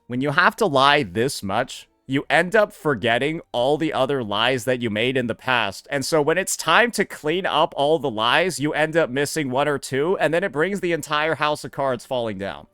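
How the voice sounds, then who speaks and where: A man's voice: medium pitch, lively intonation, normal speed, hardly any pauses, pushed and bright, clear, resonant tone, no echo. A man doing sarcastic, profane reaction commentary as a streamer, recorded on a close mic.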